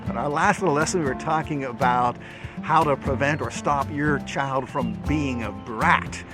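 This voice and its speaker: A man's voice: medium pitch, moderate pace, over music. A middle-aged man hosting a casual Bible teaching talk, folksy and humorous, often restarting his words and chuckling.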